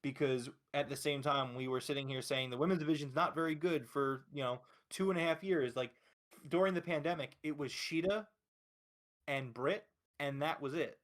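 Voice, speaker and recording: A man with a slightly high-pitched voice hosts a casual wrestling talk podcast. He speaks emphatically and gives his opinions freely, swearing as he goes. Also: moderate pace. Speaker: podcast host.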